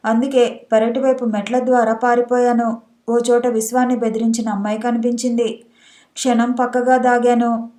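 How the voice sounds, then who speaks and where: A woman narrating an audiobook story in the first person with a steady, even reading. Her voice sits fairly high but stays flat in its melody. The tone is mellow and dark, and the room around her is echoey.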